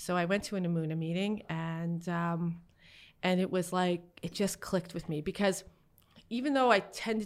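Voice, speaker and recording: Recorded very cleanly against a silent background, a woman talks with a Canadian accent. She has a plain, everyday voice, a fairly low pitch and fairly even intonation. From Canada. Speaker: nonprofit CEO. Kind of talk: casual chat. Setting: office.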